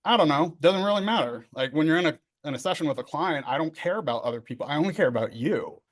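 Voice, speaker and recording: A man's voice: a little high, animated, fast talker. A middle-aged man giving a casual workshop lecture as a therapy trainer, chatty and joking, with many fillers and tag questions.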